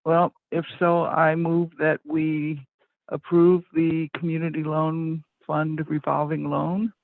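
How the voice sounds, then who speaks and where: Man, fairly high voice, very slow, dry tinny phone audio, chairing a vote. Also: completely flat delivery, gravelly, dry recording. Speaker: board chair calling the vote. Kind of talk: formal roll-call vote.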